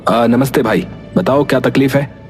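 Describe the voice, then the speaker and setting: A man voices a sensible young villager for a cartoon moral tale. His pitch is average and his delivery direct and take-charge, with music underneath. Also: moderate pace, lightly acted. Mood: practical. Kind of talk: animated moral story dialogue.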